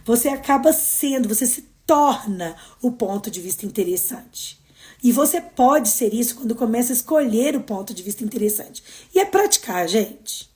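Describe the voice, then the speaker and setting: A woman with a Brazilian Portuguese accent, hosting a casual motivational live stream, expressive and moving between emphatic and soft delivery. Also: on the high side, moderate pace. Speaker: host of daily live streams.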